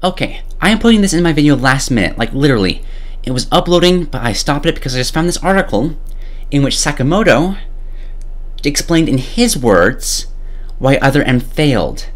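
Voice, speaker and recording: A man's voice: a little high, very animated, normal speed. A twenty-year-old man narrating a scripted video game review in a sarcastic, opinionated way. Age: 20 years old.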